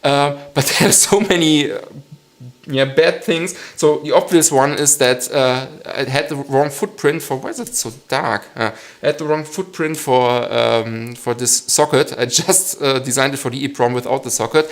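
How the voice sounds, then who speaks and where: A man's voice: medium pitch, normal speed. A man in his thirties from western Germany with a German accent, hosting a casual live stream Q&A, hesitant with many ums and frequent chuckles.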